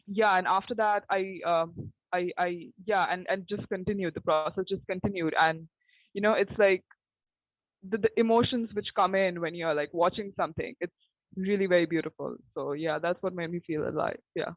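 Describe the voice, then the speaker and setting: A woman's voice: lowish voice, fairly even intonation, moderate pace, no echo, poor audio. A young woman playwright speaking in a roundtable discussion, piecing her thoughts together hesitantly with repetition.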